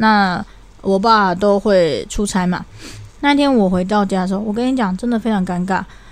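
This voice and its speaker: This woman has an ordinary speaking voice, a medium pitch, a moderate pace and ordinary pitch variation. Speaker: podcast co-host. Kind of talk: casual chat.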